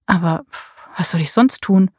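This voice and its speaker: Eine Frau liest eine eifersüchtige, verliebte junge Frau mit bissigem, sarkastischem Ton. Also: female voice, lowish voice, moderate pace, warm tone, dry recording, studio quality, natural voice. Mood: brooding, sarcastic. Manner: biting, sarcastic. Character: jealous young woman in love, sharp-tongued.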